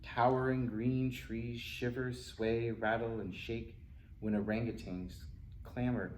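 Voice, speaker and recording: Speaking slowly in a mid-range voice with little pitch movement, a man reads picture books to small children at library storytime. He tosses in playful, chatty asides and acts out animal noises and exclamations, and the room echoes with faint background noise.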